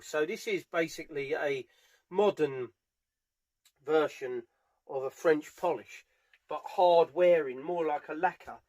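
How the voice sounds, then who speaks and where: A man's voice: fairly high pitch, poor audio. A British man giving a casual, hands-on tutorial, explaining each step informally as he works. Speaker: furniture polisher giving a how-to demonstration. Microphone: camera mic on a tripod, at varying distance.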